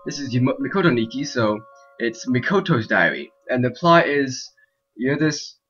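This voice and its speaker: A man's voice: medium pitch, lively intonation, normal speed, a bit bright, husky. A man hosting a casual gaming let's play, rambling with joking asides. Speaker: gaming video host. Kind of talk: casual let's play commentary with reading game text aloud. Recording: dull lo-fi mic with game music. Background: video game music.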